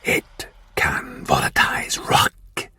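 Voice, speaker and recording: A man voicing an arrogant, menacing Martian warlord in a slow, raspy, hissing whisper. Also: bright, forceful tone.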